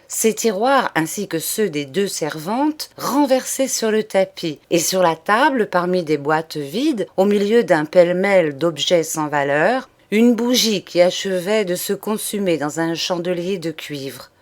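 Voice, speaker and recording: Slow, measured woman reading a novel aloud. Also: medium pitch. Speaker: audiobook reader. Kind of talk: first-person audiobook narration.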